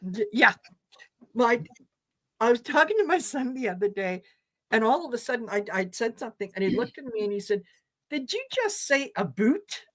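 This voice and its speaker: Higher-voiced Croatian-born woman chatting. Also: sing-song, a bit bright. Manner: halting, searching for words. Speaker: tarot show co-host. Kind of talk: casual chat.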